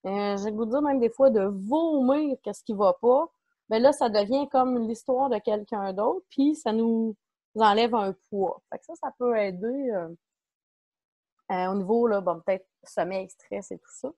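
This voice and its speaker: Québécois woman presenter, fairly high, dry close sound, loose and chatty. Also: unhurried, mellow, no room sound. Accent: Québécois French. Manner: chatty and informal, many fillers and self-corrections. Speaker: farm community support worker. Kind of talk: online workshop presentation.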